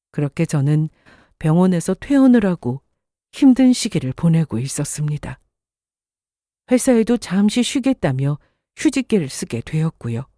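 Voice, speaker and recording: Calm woman narrating her story, warm low-key voice, very dry recording. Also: dry recording.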